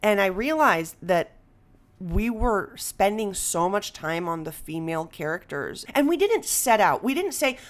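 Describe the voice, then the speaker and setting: Candid woman, mid-pitched voice. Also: big pitch swings, unhurried. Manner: candid, informal, slangy. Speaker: podcast speaker, writer and performer. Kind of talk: casual conversational interview talk.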